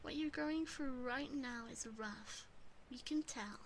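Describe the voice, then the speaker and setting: A woman acts out an affectionate, possessive demon sister with a touch of haughty embarrassment. The voice is very high and soft, slow and breathy, often near a whisper in a close-miked ASMR roleplay with faint noise behind it. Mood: tender, explaining. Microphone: close binaural microphone.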